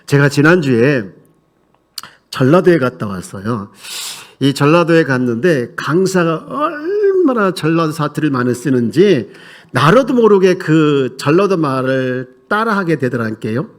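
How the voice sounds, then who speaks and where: Lively, conversational male pastor. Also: a little high, unhurried. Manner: conversational, leads the congregation in reading aloud. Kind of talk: sermon. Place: church sanctuary.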